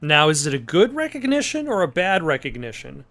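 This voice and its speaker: A man's voice: on the high side, wildly swooping pitch, fairly quick, sharp tone. A man hosting a casual gameplay commentary with dry, joking asides. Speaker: gameplay host. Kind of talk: casual let's play commentary. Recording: game music behind the voice.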